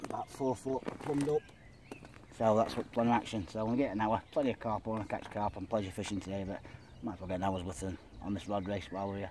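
A man's fairly low voice at a very fast pace with ordinary pitch variation, dry and echo-free, amid noticeable background noise. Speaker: angler vlogger. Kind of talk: casual vlog chat. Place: waterside. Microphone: phone near.

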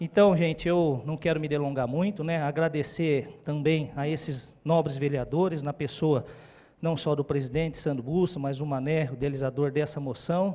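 This man speaks at a moderate pace in a fairly high pitch with fairly even intonation. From Brazil, Jaú (São Paulo state); São Paulo state, Brazil. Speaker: bar association head; honoree giving thanks at a council session. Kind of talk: ceremony speech. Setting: city council chamber. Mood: grateful, heartfelt. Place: hall. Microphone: handheld.

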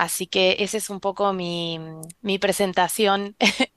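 A woman speaks at a fairly slow pace and medium pitch, with ordinary pitch variation. The sound is dry and close with no echo, against a quiet background. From Argentina, Buenos Aires and Patagonia. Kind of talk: interview. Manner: hesitant, many fillers.

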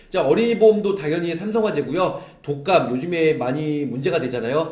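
Against noticeable background noise, a loud man with a fairly high pitch talks at a moderate pace. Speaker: insurance agent and video host. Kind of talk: product explainer tutorial. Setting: office, late night.

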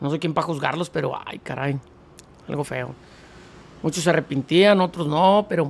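This man keeps a moderate pace but stops often for long pauses. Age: 40s. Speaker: norteño musician, accordionist and band leader; interview guest. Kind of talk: interview, casual storytelling. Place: studio. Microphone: studio mic.

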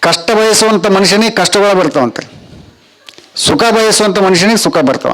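Noticeable background noise sits behind a man with a high pitch. His loudness stays very even, and his pitch varies in an ordinary way. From Yadgir, North Karnataka. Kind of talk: stand-up. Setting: stage with audience.

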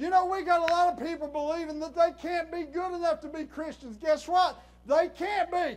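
Shouting man, fairly quick, with fairly even intonation. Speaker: guest preacher. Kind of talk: fiery revival sermon with call-and-response amens. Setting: church. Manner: impassioned, building to shouted exhortations; folksy, repetitive, stammering restarts. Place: church.

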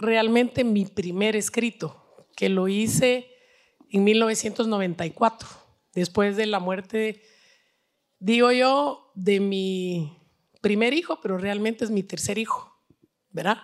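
A woman speaks at a very slow pace with ordinary pitch variation and long, frequent pauses. The background is quiet. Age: 60s. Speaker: author. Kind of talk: interview at book launch. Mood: warm, reflective. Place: studio. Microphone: handheld.

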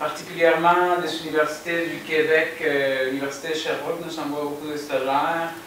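Light background noise and audible room echo around a man's voice, moderate in pace, with ordinary pitch variation. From Peru. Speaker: environmental project manager and graduate student. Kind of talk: academic seminar presentation. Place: classroom. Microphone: camera far.

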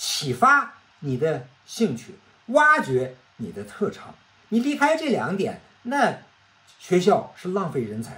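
At a fairly slow pace, a man speaks in a high voice whose pitch swings very widely. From China. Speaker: online commentator. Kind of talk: monologue commentary. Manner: halting, many fillers. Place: home room. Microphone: phone near.

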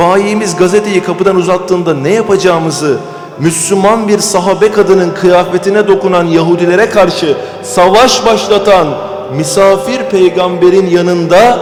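With music in the background, a man speaks at a high pitch and at very even loudness. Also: ordinary pitch variation, moderate pace. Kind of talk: poetry reading.

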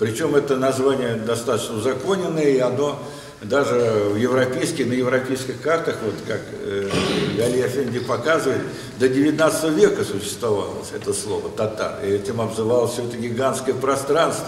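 A man speaks at a medium pitch with ordinary pitch variation, with audible room echo and light background noise. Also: moderate pace. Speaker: event host. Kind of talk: formal event hosting. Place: hall. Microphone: handheld.

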